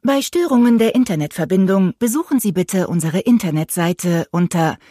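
A woman voicing a relentlessly friendly female automated phone voice, polite, measured and unflappable. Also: on the low side, expressive, mellow, no room sound, clean studio sound. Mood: politely robotic.

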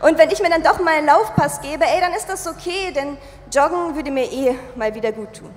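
A young woman in her twenties performs a slam poem into a stage microphone. Her voice sits high, and her delivery bounces through playful rhymes and self-mocking jokes. A long reverb trails each line, as if in a big open venue. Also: fairly quick. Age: 20s. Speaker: poetry slammer. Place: festival stage.

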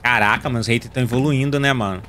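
A Brazilian gaming video host in his thirties, with a Carioca accent from Rio de Janeiro, jokes around in slang and talks to viewers during casual gameplay commentary. His medium-pitched voice comes out rapid-fire, bright and forceful, with slight background noise.

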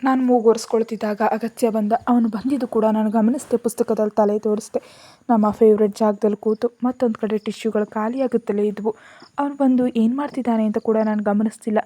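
A woman tells a first-person romance story aloud. Her voice is fairly high, and her reading is lively and expressive. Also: a little fast.

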